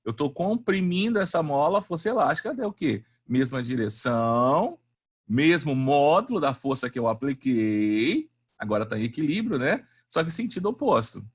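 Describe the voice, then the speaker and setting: A man's voice: fairly high pitch, sing-song, normal speed, slightly rough. A man teaching a physics class online in a chatty, slangy way, often asking the students questions.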